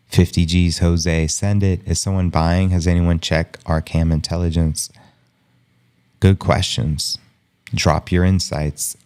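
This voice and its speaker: A man hosting a live stream, talking in a casual, hushed, low-key way and chuckling often. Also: little pitch movement, slow pace, long pauses, smooth. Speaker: livestream host. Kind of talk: casual live market commentary.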